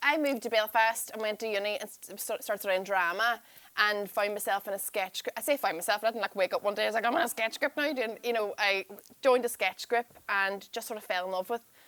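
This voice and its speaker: A woman with a Northern Irish accent talks at a very fast pace and a fairly high pitch. Her pitch variation is ordinary, and the sound is dry and close with no echo. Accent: Derry. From Northern Ireland, Derry. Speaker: comedian. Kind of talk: casual chat.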